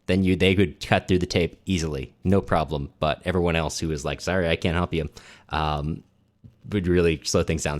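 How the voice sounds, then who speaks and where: A man co-hosting a podcast, discussing a book in an informal, rambling, wry way. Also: low-pitched. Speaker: podcast co-host. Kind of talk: casual book discussion chat.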